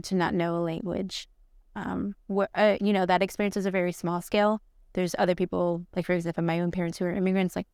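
Soft-toned reflective woman, flat delivery. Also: lowish voice, vocal fry, no echo, studio quality. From Atlanta, US. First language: Spanish. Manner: thoughtful, frequent ums and likes. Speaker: art teacher. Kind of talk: reflective podcast interview.

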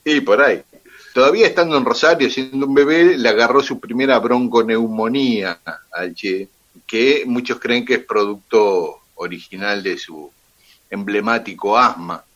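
A man's voice: mid-range voice, moderate pace, highs cut off. A man with an Argentine accent, a radio guest telling history in detail with frequent fillers. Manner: detailed, steady, with "eh" and "este" fillers. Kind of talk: storytelling on radio.

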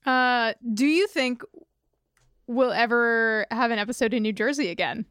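A woman's voice: fairly high pitch, normal speed, a bit bright, clean tone, dry recording. A woman co-hosting a podcast, chatting casually with dry, wry humor. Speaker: podcast co-host. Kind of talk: casual chat.

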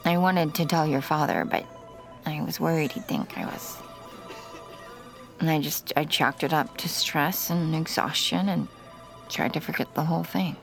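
An actress playing a weary mother who works at a hospital and narrates her story in a halting, strained way. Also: low voice, fairly even intonation, creaky, soft background music. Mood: tense. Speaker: narrator and lead character. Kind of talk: audio drama acting with narration.

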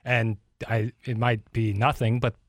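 A man's voice: mid-range voice, level tone, no echo, clean studio sound. A man co-hosting a sports talk show, chatting casually and agreeably and asking the questions. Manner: quick, agreeable, asks the questions. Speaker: sports radio co-host.

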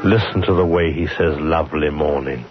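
A man's voice: a bass voice, moderate pace, slightly rough, faint music behind. A man narrating an old-time radio suspense story in a wry, conversational storytelling manner. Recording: muffled, hissy old radio recording.

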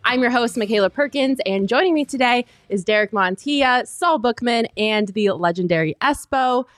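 A woman hosting a casual sports podcast, playful and quick to laugh, on a dry studio mic. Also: a little high, lively intonation, no echo, faint music behind. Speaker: podcast host.

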